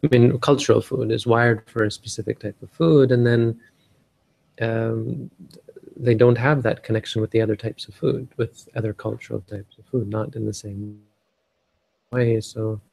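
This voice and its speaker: A man's voice: lowish voice, steady tone, normal speed, vocal fry, darkish tone. A Canadian man giving a rambling casual talk on a live stream, often restarting and searching for words. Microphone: live stream setup.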